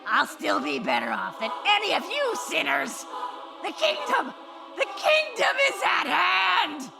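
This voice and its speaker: Horror drama role: old zealot woman turned fiend. High, shouted, taunting, preachy. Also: very animated, gravelly, full character voice. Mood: defiant, fervent. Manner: preaching, taunting, drawn-out delivery. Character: sneering old woman street preacher turned winged demon. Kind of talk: horror audio drama acting. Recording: music under the voice.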